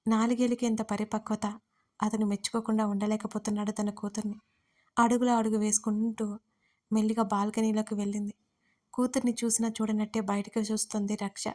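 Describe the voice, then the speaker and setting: Woman narrating an audiobook in a flat voice. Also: mid-range voice, a little fast. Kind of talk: scripted storytelling narration.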